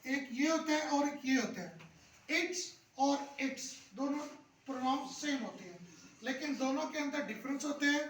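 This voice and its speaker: A man leading a teacher-training workshop lecture who keeps asking the room questions and drilling words, repeating phrases slowly for emphasis. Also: very high-pitched, a bit bright, slight background noise. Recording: roomy echo, distant mic, faint background ambience.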